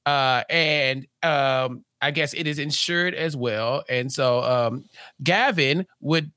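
A man's voice: mid-range voice, slow, no room sound, clean studio sound. A man co-hosting a podcast, recapping a TV episode in casual chat and acting out the characters' lines. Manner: animated, acts out characters' lines. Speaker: podcast co-host.

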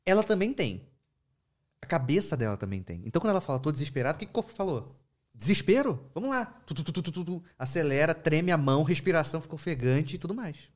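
A man, a therapist telling a session story and explaining ideas in a conversational teaching talk, with lively pitch jumps and asides. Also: quick pace. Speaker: therapist speaking about his practice.

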